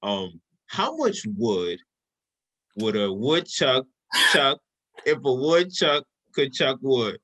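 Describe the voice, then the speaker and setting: A man's voice: mid-range voice, sing-song, takes it slowly, a bit bright. A man co-hosting a podcast, chatting in a laid-back, friendly way and calling his guest "bro". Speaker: podcast co-host. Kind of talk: casual podcast conversation.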